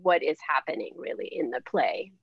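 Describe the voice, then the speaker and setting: A woman's voice: sits low, wildly swooping pitch, normal speed, creaky, breathy edge, no echo. A woman speaking informally as an online panelist, with hesitant, circling phrasing and thoughts that trail off. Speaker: panelist, visual dramaturg. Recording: dry, slightly dull online-call audio.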